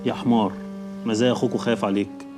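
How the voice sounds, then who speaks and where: Actor as a brisk, low-voiced hustler lecturing a younger relative, TV drama with music under. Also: male voice, steady tone, lightly acted. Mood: scolding. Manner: fast, scolding, coaxing.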